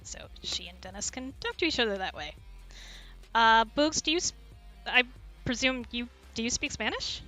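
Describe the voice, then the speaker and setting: Bright-voiced laughing woman host. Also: fairly high pitch, animated, moderate pace, soft background music, poor audio. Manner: giggly, reads out audience questions. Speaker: host and director. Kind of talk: casual chat.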